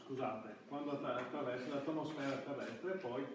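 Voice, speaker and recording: A middle-aged university lecturer with a mid-range voice teaches a class indoors, his delivery halting and hesitant with broken-off words. A far camera at the back of the classroom records him, so the sound is echoey, distant, and noisy.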